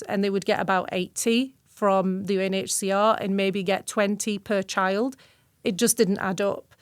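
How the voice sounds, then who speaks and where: A woman originally from Syria, a guest researcher on an interview podcast, speaks earnestly and reflectively and often restarts her sentences. Her voice is mid-range with a clean tone, recorded dry with clean studio sound.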